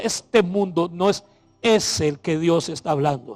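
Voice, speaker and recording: A man speaks with a Costa Rican accent. His tone is animated. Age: 60s. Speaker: pastor. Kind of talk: sermon.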